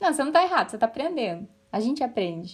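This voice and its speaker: The speaker sounds animated, with very wide pitch swings. The delivery is very fast. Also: woman. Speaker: human design teacher. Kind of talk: online class.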